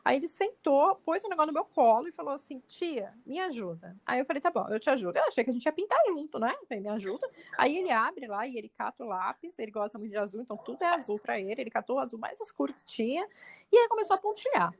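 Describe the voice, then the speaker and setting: A Brazilian woman co-hosting a podcast, talking quickly in a high, bright register. She tells anecdotes in casual chat and leaps even higher when she quotes others. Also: creaky. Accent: Brazilian Portuguese. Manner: animated, jumps pitch when quoting others. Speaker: podcast co-host.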